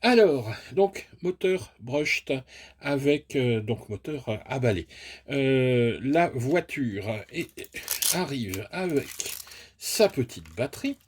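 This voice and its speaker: A man's voice: medium pitch, sing-song, slow pace, breathy edge. A man giving a chatty, self-mocking unboxing review of a remote-control car, explaining each step as he goes. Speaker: toy and hobby product reviewer.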